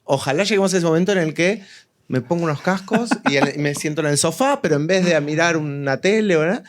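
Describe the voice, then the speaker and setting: A man's voice: on the high side, animated, fast talker. A man explaining his views as a writer on a panel, in a reflective, conversational way. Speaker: audio fiction writer, panelist. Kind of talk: casual panel discussion. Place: live panel event with several speakers.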